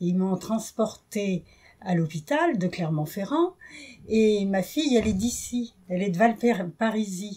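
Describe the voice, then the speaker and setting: A woman speaks at a fairly slow pace in a medium pitch, her tone dark and mellow. Her voice is somewhat breathy, with lively intonation. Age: 70s. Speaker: retired resident of a senior residence. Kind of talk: interview.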